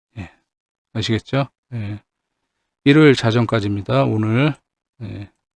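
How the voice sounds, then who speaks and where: Speech comes at a very slow pace with ordinary pitch variation, and the sound is dry and close with no echo. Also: man. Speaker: divination teacher. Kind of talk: online lecture answering viewer comments. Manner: curt, blunt delivery.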